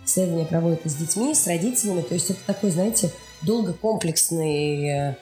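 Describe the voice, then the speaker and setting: A woman's voice: on the low side, fast talker, dark tone. A woman giving explanatory interview answers, going step by step and often checking she is followed. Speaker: animation studio production executive interviewed as guest. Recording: roomy echo with faint music behind.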